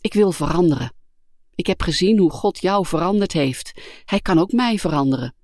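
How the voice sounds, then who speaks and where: A repentant middle-aged husband in a storybook-style audio tale asks his wife to forgive him in a plain, quiet, pleading way, as a woman narrator reads his words. The voice sits a little low. The sound is close and dry. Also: animated, moderate pace, dry recording, lightly acted. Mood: remorseful.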